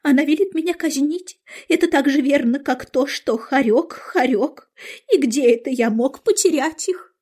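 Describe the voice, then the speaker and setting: Lady doing a nervous white rabbit, high whiny fretting, storybook. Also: moderate pace, a little mellow, lightly acted. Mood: anxious. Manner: fretting, lamenting. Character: anxious, fretful male white rabbit.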